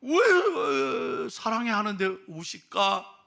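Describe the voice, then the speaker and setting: A high-pitched, gravelly voice belongs to a middle-aged pastor, preaching to his church. His tone is bright and edged, and he drops to hushed storytelling before rising into loud exhortation. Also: sing-song, takes it slowly. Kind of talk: sermon. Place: church sanctuary.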